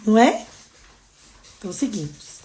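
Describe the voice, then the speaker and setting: A woman with a Brazilian Portuguese accent, hosting a casual motivational live stream, expressive and moving between emphatic and soft delivery. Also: medium pitch, normal speed. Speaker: host of daily live streams.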